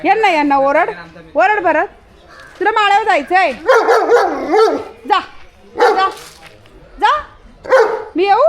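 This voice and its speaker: High-voiced woman scolding her dog. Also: slow pace, pauses often. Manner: scolding, affectionate, calls out loudly. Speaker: vlogger. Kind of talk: casual vlog talking to her dog and viewers. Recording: busy crowd noise behind.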